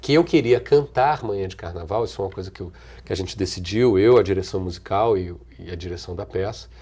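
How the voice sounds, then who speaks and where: A middle-aged man with a Brazilian accent, an actor and singer answering interview questions thoughtfully, with restarts, trailing pauses and frequent chuckles. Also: low voice, mellow, husky. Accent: Brazilian Portuguese. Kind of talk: relaxed conversational interview answers.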